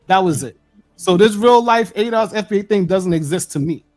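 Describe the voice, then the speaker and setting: A man's voice: sits high, expressive, a little fast, darkish tone, soft background music. A man on a podcast panel arguing bluntly in a heated debate. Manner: blunt, argumentative.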